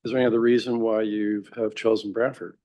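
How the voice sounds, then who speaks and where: A man's voice: on the low side, flat delivery, fast talker, mellow. A man chairing a council meeting who asks direct, probing questions.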